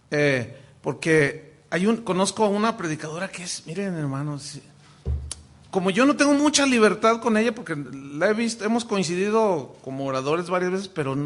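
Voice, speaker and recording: A Mexican pastor teaching a Bible class, animated and joking, with lots of restarts. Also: male voice, sits high.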